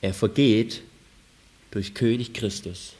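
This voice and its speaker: A man's voice: lowish voice, fairly even intonation, slow pace, darkish tone. A man preaching a sermon with a cold, reading scripture with rising emphasis and asking rhetorical questions. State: has a cold.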